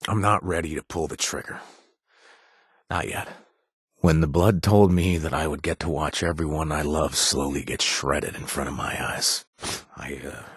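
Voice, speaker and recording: A husky, wisecracking ex-raider barkeep. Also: male voice, sits low, a bit bright, no room sound, studio quality, exaggerated voice. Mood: grim. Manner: sarcastic, rambling with nervous fillers. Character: wisecracking male ex-raider bartender, jaded. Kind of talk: video game voice acting. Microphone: close studio mic.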